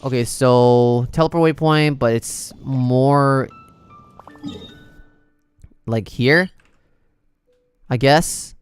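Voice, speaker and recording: A man's voice: medium pitch, extremely slow, long pauses, clear, resonant tone, faint music behind. A man livestreaming a video game, chatting casually with viewers and rambling as he thinks aloud.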